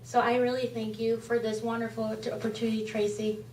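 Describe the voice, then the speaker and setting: A woman's voice: fairly high pitch, flat delivery, a little fast, darkish tone, distant mic, slight background noise. Woman, native Spanish speaker, impassioned charity talk, echoey room, faint ambience. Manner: earnest, impassioned, repeats phrases. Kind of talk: club presentation speech. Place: meeting room.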